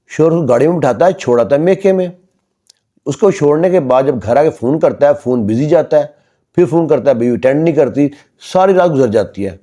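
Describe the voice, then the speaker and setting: Storyteller: man, mellow warm tone, casual retelling with dramatic bursts of dialogue. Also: a little high. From Pakistan. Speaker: storyteller and channel host.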